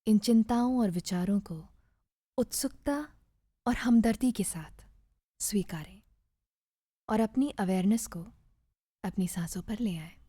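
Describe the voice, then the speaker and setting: Female meditation guide: soft, husky-breathy and mellow, soothing and unhurried delivery with gentle pauses. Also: medium pitch, no echo, studio quality. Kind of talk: guided meditation, scripted narration.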